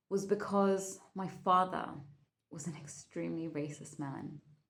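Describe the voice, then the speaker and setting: Speaking at a very slow pace with fairly even intonation, a woman is heard with audible room echo. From Kenya. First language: Kiswahili. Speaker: spiritual content creator. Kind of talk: personal monologue.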